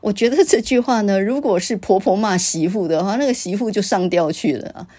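Middle-aged taiwanese woman podcasting, husky and kinda dark voice, chatty storyteller. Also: medium pitch, brisk. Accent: Taiwanese Mandarin. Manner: storytelling, quoting her father's sharp remarks. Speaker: podcast host. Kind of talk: reflective monologue.

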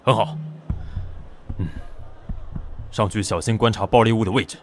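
A man's voice: on the low side, fairly even intonation, moderate pace, background noise, natural voice. An actor with a Taiwanese accent playing a composed, commanding male police squad leader in a radio drama. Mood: commanding, urgent.

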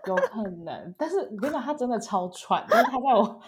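A woman's voice: fairly high pitch, sing-song, fast talker, background noise. A young woman co-hosting a casual podcast, telling a story animatedly and acting out what others said. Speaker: podcast co-host. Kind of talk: casual chat.

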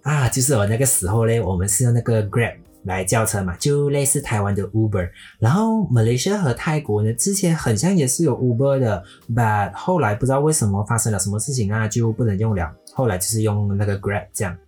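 Husky Malaysian-accented podcast storyteller. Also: mid-range voice, lively intonation, brisk, few pauses, mellow, soft background music. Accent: Malaysian Mandarin. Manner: playful, mixes English into Mandarin. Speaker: podcast host.

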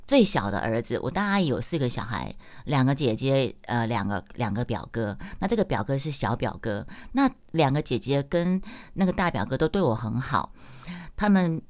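A woman's voice: a bass voice, big pitch swings, normal speed, darkish tone. A middle-aged woman, hosting a livestream. She tells stories in casual chat, acts out the dialogue in changing voices and pokes fun at herself. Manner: self-mocking, chatty. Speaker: livestream host.

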